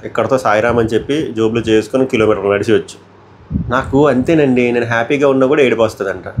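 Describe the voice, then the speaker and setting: Fast, opinionated male reviewer with a Telugu accent, mid pitch, faint room hum behind. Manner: opinionated, talks straight to contestants. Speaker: reality show reviewer. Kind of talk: casual commentary.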